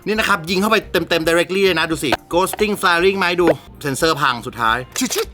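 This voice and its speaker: A young man chatting casually and excitedly as he reviews a camera lens, swearing now and then. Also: high-pitched, normal speed. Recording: music bed under the voice.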